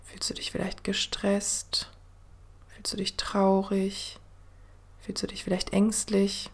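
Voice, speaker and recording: Slow, breathy woman guiding a meditation like sleep-story narration. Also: mid-range voice, monotone. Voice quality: soft, breathy, often dropping into near-whisper. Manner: gentle, unhurried, with long pauses. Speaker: podcast host and meditation guide.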